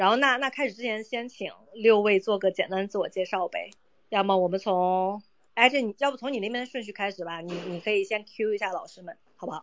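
At a fairly quick pace, a woman with an unremarkable speaking voice talks at a medium pitch, with ordinary pitch variation and big swings in loudness. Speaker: podcast host. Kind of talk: Twitter Space panel discussion. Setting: online audio space.

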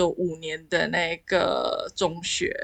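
This woman speaks. She has a Malaysian accent. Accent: Malaysian Mandarin. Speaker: marketing graduate, former international student. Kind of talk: casual chat.

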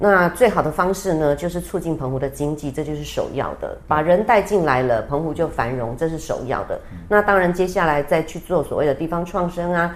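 A woman speaks in a plain, everyday voice, fairly low in pitch with ordinary pitch variation. Her pace is fairly quick, with hardly any pauses. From Penghu, Taiwan. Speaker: interior designer and restaurant owner. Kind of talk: interview.

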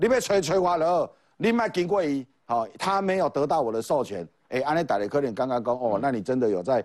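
Against a quiet background, a man talks at a fairly quick pace with a fairly high pitch and very wide pitch swings. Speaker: political commentator. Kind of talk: political talk show panel discussion.

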